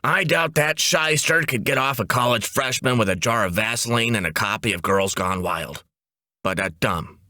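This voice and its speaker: A man voicing a brisk, wisecracking female ad agency boss in a comic audiobook, with a breezy, emphatic manner. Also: mid-range voice, pushed and bright, no echo, clean studio sound, lightly acted.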